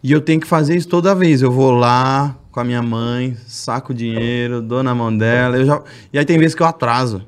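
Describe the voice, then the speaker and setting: A man's voice: medium pitch, a little fast, few pauses, a little hiss or hum. A man telling funny stories as a podcast guest, laughing often. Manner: animated storyteller, laughs often. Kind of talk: casual podcast chat.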